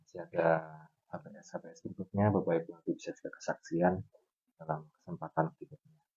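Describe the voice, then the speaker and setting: Deep husky man leading a Bible study. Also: flat delivery, fast, mellow. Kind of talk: closing remarks at home Bible study. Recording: dull lo-fi recording.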